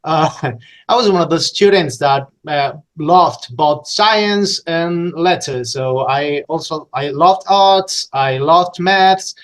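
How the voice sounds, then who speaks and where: Enthusiastic Spanish-accented man, high voice. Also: slow. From Spain. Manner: enthusiastic, many restarts and repeated words. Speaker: podcast guest, localization trainer. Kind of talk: unscripted podcast conversation.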